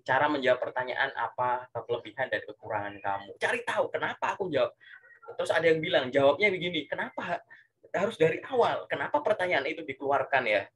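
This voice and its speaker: A man giving casual career coaching, animated and full of rhetorical questions and filler tags. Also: on the high side, husky.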